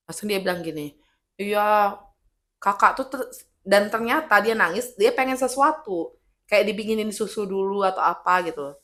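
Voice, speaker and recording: A middle-aged woman with a hoarse voice from illness, telling stories as a guest in a casual interview and acting out quotes. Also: mid-range voice. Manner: lively, animated storytelling with acted quotes. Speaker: guest speaker, army officer's wife.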